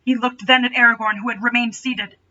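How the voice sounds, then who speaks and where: A woman's voice: fairly high pitch, fairly even intonation, a little fast, pushed and bright. A woman reading a story aloud in a dramatic style, dropping in playful, sarcastic asides. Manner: sardonic, playful. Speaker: reader and commentator. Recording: dull, distant home microphone.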